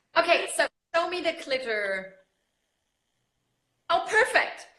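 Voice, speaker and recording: A woman's extremely high, bright and sharp voice, raised and projected, with very wide pitch swings at a fairly slow pace. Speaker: resin artist. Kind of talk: live-stream tutorial.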